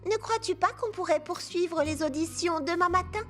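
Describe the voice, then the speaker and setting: A woman voicing a kind, sensible young girl in a children's cartoon, gentle and encouraging in manner. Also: extremely high pitch, moderate pace, soft background music. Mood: kind, reassuring. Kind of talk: French-dubbed children's cartoon acting.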